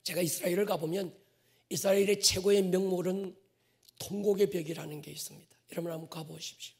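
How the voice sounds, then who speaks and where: A male pastor preaching a sermon to his congregation, swinging from loud stressed phrases to whispered endings and drawing out key words. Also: high-pitched, fairly even intonation, gravelly, husky. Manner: addresses the congregation directly, drawn-out stressed words.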